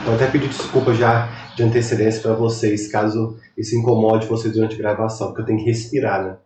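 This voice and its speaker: A university lecturer in his thirties with a Brazilian Portuguese accent gives a recorded online lecture while recovering from a cold, rambling conversationally with chatty asides. His voice is low with little pitch movement, and he talks fast. The mic is far away in an echoey room with a noisy background.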